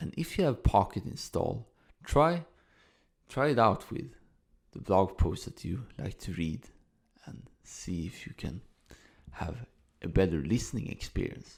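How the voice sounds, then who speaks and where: A man speaks at a fairly slow pace in a fairly low pitch with vocal fry, very wide pitch swings, and long, frequent pauses. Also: big swings in loudness. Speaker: podcaster and blogger. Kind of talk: casual talk to camera.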